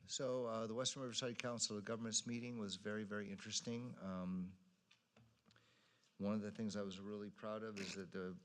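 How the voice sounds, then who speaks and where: A man's voice: fairly low pitch, steady tone, brisk. An American man, a council member, giving an informal spoken report at a meeting. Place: council chamber.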